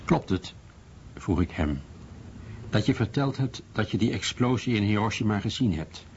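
A man acting as a blunt, firm writer recounts his search for truth in a very deep voice. It is a dull recording with faint noise. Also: animated, normal speed, a little mellow. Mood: matter-of-fact, probing. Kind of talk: scripted first-person dramatised account.

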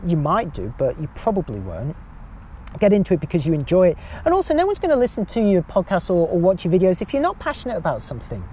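A man with a high-pitched voice, chatting casually as a podcast guest with a self-mocking humor. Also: huge pitch swings, fast, dark tone, a little hiss or hum. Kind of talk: casual chat.

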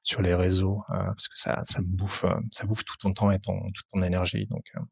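A man with a low, gravelly, slightly husky voice answers in a halting way, circling back with fillers and restarts. The recording is dry and close. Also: level tone, no echo. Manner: hesitant, many fillers and restarts. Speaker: tabletop RPG author, translator and publisher. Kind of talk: conversational interview answers.

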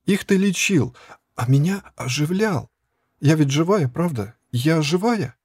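A frail, timid young girl pleads in a lifted, mellow voice, as a male reader puts her on. The recording is dry and close, with no room sound. She speaks as a storybook figure who is anxious and clinging. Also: on the high side, animated, measured pace, slightly rough, no echo, voice pushed up. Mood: pleading.

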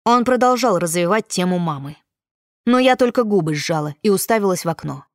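A woman's voice: lowish voice, lively intonation, a little fast, dry recording. A woman narrating a novel in the first person as an audiobook reader, close to the mic.

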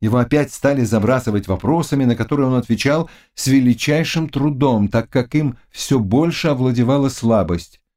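A man narrating a classic novel as an audiobook in an expressive storytelling manner. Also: mid-range voice.

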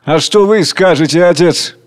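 A man's voice: fairly high pitch, normal speed, long reverb tail, voice pushed up, natural voice. A self-important chairman, played by a male reader addressing the crowd. He speaks with showy, pompous flourish in a slightly raised voice.

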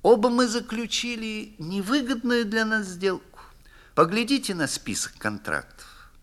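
A man's voice: sits high, lively intonation, a little slow, fairly bright tone, voice pushed up. Man playing a sly courteous devil. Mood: weary. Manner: courteous, dry, mocking. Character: sly polite male devil posing as notary.

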